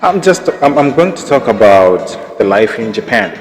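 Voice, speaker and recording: A young man chatting casually to his viewers, unhurried, with many pauses and fillers. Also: on the low side, sing-song. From Tanzania. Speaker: vlogger. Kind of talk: casual talk to camera. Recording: long hall reverb, faint music.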